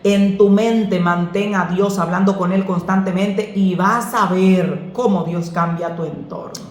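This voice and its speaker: A woman's voice: mid-range voice, unhurried. Earnest woman pastor, echoey room. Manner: earnest, preacherly, animated storytelling. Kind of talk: answering questions on prayer.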